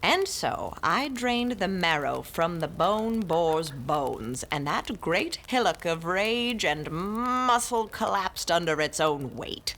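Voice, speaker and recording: A woman's voice: lowish voice, sing-song, takes it slowly, few pauses, fairly bright tone, a little hiss or hum, full character voice. A woman playing a shrewd, scholarly older classicist who tells tales and scolds her companions in a theatrical manner. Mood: grave. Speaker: narrator and lead character. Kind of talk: audio drama acting.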